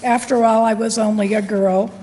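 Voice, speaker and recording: A woman in her sixties giving a formal, deliberate award address at a podium microphone in a convention hall. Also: fairly high pitch, flat delivery, dark tone, a little hiss or hum. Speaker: lecturer.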